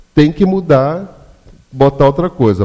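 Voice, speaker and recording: Here a man talks in a fairly high pitch. His tone is dark and mellow. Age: 60s. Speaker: spiritist lecturer. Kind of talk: public lecture. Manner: casual, conversational.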